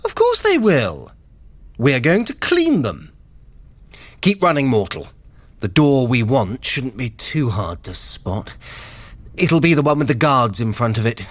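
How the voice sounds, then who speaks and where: A man's voice: medium pitch, wildly swooping pitch, unhurried. An actor playing a vain, scheming male trickster god in audio drama, condescending, theatrical and sardonic. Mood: confident, sly. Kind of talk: dramatic audio fiction acting.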